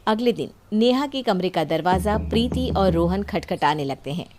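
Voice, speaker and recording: A woman's voice: medium pitch, animated, moderate pace, background noise. A woman reading a scripted story as the storyteller.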